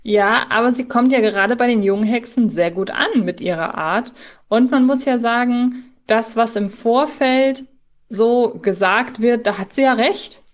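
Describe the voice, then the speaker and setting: A woman's voice: on the high side, measured pace. A woman co-hosting a podcast, chatting casually and reflectively, thinking aloud as she discusses. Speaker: podcast co-host.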